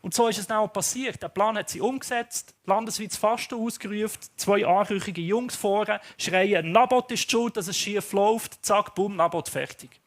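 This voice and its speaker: A Swiss-accented male pastor preaching a sermon in an animated storytelling manner. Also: high-pitched, moderate pace, hardly any pauses. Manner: animated storytelling, acts out characters.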